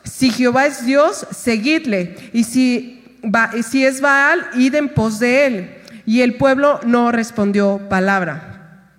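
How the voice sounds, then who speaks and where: A woman's voice: on the high side, slow pace. A woman pastor preaching a sermon, retelling a scripture story and acting out its voices. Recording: long reverb of a hall.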